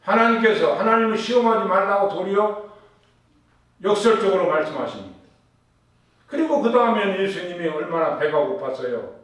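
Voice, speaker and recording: High voiced guy pastor preaching, asks the crowd stuff back, super echoey room, mic kinda far. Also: animated, moderate pace, fairly bright tone. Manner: preaching with call-and-response questions to the congregation. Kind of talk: sermon.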